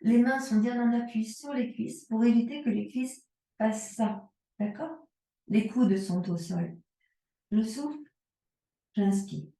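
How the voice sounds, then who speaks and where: Calm woman guiding a slow yoga class. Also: on the high side, creaky, recorded from a distance. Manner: slow, calm cueing of breath and movement. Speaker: yoga instructor. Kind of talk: guided yoga and strengthening class. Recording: echoey room, voice from away from the mic.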